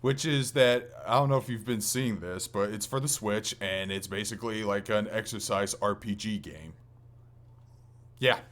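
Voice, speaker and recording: Hosting a casual gaming podcast, a man speaks at a moderate pace in a lowish voice with a fairly bright tone. His talk is rambling and hesitant, with plenty of mid-sentence self-correction.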